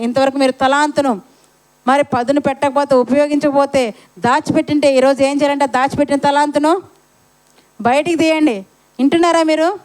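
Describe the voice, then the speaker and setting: A woman preaching a Sunday sermon at a church service, asking the congregation rhetorical questions and repeating key phrases for emphasis. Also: high voice.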